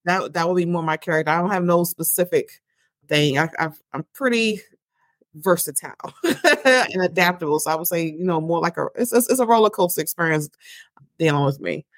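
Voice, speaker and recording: A woman's voice: fairly low pitch, a little fast, no room sound, clean studio sound. A woman in her forties from Baltimore, a guest talking candidly about her faith, joking and laughing easily. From Baltimore, Maryland. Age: 40s. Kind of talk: casual interview.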